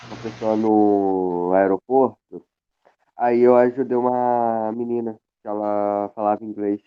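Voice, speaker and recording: Very low-voiced woman student joking. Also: steady tone, measured pace, mellow, smooth, muffled recording. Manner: joking, storytelling.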